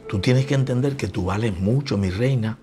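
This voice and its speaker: A middle-aged Puerto Rican pastor preaches a homey, conversational sermon, slipping into little scenes with his family. His voice sits at an ordinary middle pitch. Soft music plays faintly behind him. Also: normal speed. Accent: Puerto Rican Spanish. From Puerto Rico.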